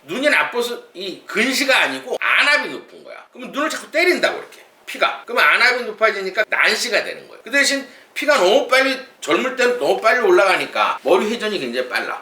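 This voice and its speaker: A man's voice: high voice, sharp tone, recorded from a distance. A middle-aged man working as a saju fortune-teller, explaining readings in a chatty, lecturing way with many restarts. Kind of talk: casual explanatory monologue. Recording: echoey room, voice a bit off-mic.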